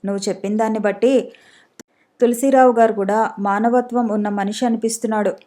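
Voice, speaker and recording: A woman narrator voicing Visalakshi, a kind and pious older neighbour aunt who speaks in a calm, reassuring way, in a storybook reading. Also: fairly high pitch, fairly quick, lightly acted.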